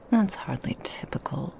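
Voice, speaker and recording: A woman voicing a seductive, sly female Christmas demon in an ASMR roleplay, whispering softly and teasing. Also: close to an everyday voice. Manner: soft whispering, teasing and insinuating.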